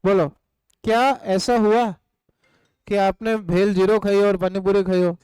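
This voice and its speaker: ऊँची साफ़ आवाज़ वाला भारतीय शिक्षक. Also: male voice, high-pitched, fairly even intonation, darkish tone, clean tone, no echo, rough recording. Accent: Indian. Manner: asks the class questions and answers them himself, uses food examples; dictates notes slowly word by word. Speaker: economics teacher. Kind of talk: live online class lecture.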